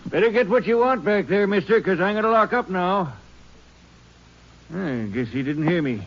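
A kindly old shopkeeper. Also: male voice, sits high, lively intonation, moderate pace. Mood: friendly. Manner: folksy, gentle, stammering when scared. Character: older small-town male hardware store owner, kindly. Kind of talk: 1950s radio drama acting. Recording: dull old radio transcription with faint hiss.

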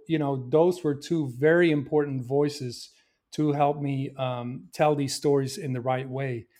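A man's voice: mid-range voice, dark tone. A man from Belgium, a filmmaker, answering interview questions in a thoughtful, earnest way with frequent fillers and restarts.

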